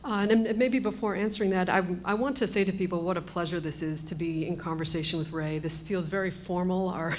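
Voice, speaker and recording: A woman speaking as an author at a live event, with measured, gracious and careful phrasing. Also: fairly even intonation. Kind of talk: live public talk, thoughtful conversation. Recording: noisy live event with rumble.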